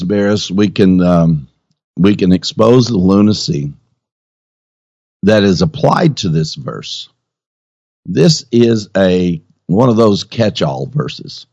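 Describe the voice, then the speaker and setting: A man with a lowish, creaky voice teaches scripture in a TV preacher's cadence. He leans on repetition and pointed rhetorical questions, and the sound is close and a little dull. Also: mellow, no room sound. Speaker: Bible teacher and co-host. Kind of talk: conversational Bible teaching with a preacher's delivery.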